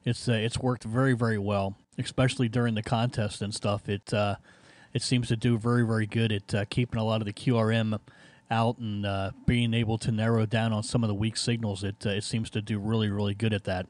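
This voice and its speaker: A man who operates amateur radio, chatting casually in a halting way as he searches for words. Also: fairly low pitch, little pitch movement, a little mellow, no echo. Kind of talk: casual ham radio contact chat.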